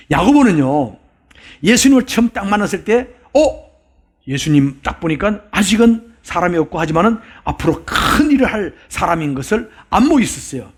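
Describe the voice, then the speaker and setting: A man's voice: high-pitched, slightly rough. A male pastor preaching a sermon with emphasis, repeating phrases and asking the congregation questions.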